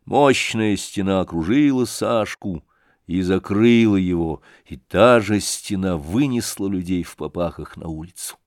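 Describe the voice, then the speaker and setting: A man narrating an audiobook in a measured, dramatic reading. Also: lowish voice, darkish tone, no echo, studio quality. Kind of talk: scripted narration.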